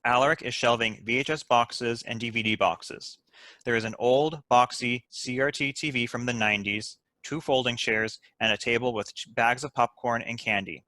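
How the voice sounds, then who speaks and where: Crisp-edged, bright male script narrator. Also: medium pitch, fairly even intonation, normal speed, dry recording. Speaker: stage-direction narrator. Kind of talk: scripted narration of screenplay directions.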